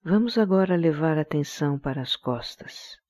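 High-voiced man guiding a calm meditation. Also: dry recording, clean studio sound. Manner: calm, soothing, slow instructions. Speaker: guided relaxation instructor. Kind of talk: guided meditation narration.

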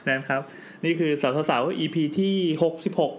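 A man hosting a casual chat podcast, quick and jokey, laughing often as he steers the talk. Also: on the high side, slight background noise. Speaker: podcast host.

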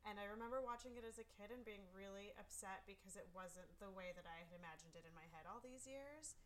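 A woman in her thirties whose first language is Farsi, an author chatting in an interview, animated and quick to laugh. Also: mid-range voice. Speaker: author guest. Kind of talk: casual interview chat.

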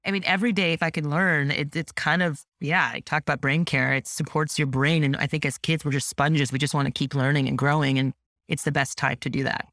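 A woman from Canada whose first language is French, talking as an entrepreneur guest in a casual podcast interview, animated and chatty with lots of "like" and "you know". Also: low voice, fairly quick, no room sound, clean studio sound.

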